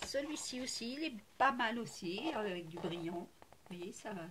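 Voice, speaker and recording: A woman's voice: fairly high pitch, expressive, normal speed, fairly bright tone, a little hiss or hum. A woman chatting casually to camera about her craft haul, hesitant with many fillers, gushing and repeating herself. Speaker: crafting vlogger showing a haul.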